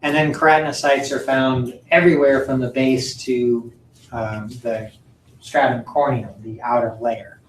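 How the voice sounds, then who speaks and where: A man giving a recorded lecture from slides, halting often with ums and uhs and clearing his throat. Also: medium pitch, flat delivery, a little hiss or hum, poor audio. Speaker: college lecturer.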